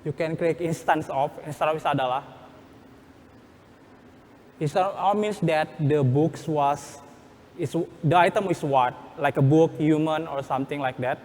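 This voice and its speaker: Male workshop presenter, Indonesian accent, slightly high voice. Halting, instructional, non-native English. Reverberant hall sound. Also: a little mellow, a little hiss or hum.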